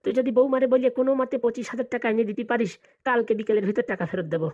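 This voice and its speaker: A woman's voice: a little high, phone-quality sound, natural voice. A woman voicing a scheming, money-hungry village father in a comedy cartoon, scolding and bantering. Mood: scheming, pleased. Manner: rapid, colloquial, bantering scolding.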